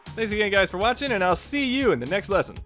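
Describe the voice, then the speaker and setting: A man's voice: high-pitched, big pitch swings, fast, fairly bright tone, faint music behind. A man narrating a scripted but casual tutorial as its host, with playful, joking asides.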